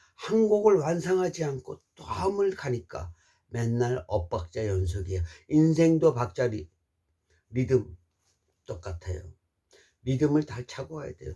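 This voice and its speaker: A man with a medium pitch and a dark, mellow, somewhat breathy tone talks at a fairly slow pace, his pitch swinging very widely and his loudness rising and falling sharply, with long, frequent pauses. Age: 60s. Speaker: vlogger and amateur musician. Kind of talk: casual monologue.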